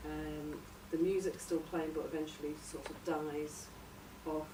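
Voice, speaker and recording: Woman, tentative informal story pitch, searching for words, far from the mic, clearly noisy recording. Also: level tone, unhurried. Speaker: workshop participant presenting a radio drama outline. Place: echoey room, recorded from a distance. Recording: roomy, distant mic, noisy background.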